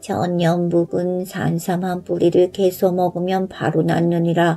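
With faint music in the background, a woman uses a nasal, fairly low-pitched put-on character voice at a fairly slow pace. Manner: solemn, mock-wise.

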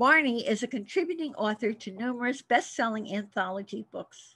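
A woman with an American accent speaks at a moderate pace in a bright, sharp tone. Her pitch is fairly high, and the background is quiet. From Miami, Florida. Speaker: podcast host. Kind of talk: interview. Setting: studio. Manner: warm. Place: home room. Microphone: video call.

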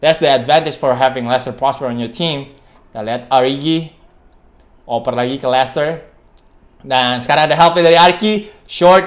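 Here a man talks at a moderate pace. His pitch sits fairly high and varies in an ordinary way. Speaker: basketball YouTuber. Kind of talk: sports commentary, reaction video over game highlights. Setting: solo recording reacting to video. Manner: animated, excitable play-by-play; code-switching between Indonesian and English, casual.

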